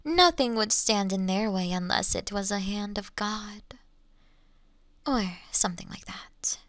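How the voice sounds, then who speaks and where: A woman's voice: mid-range voice, a bit bright, no echo. A woman playing a refined female monster who toys with a hunter in a Victorian fantasy audio roleplay, speaking in mocking, formal, old-fashioned phrases and often slipping toward a whisper. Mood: wistful, mocking.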